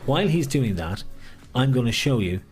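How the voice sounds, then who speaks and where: Irish male bingo caller, medium pitch, rhythmic repeated calls with casual patter, light music underneath. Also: very animated, a little mellow. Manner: repeats numbers deliberately, chatty asides between calls. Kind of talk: bingo calling with rhyming number nicknames and casual patter.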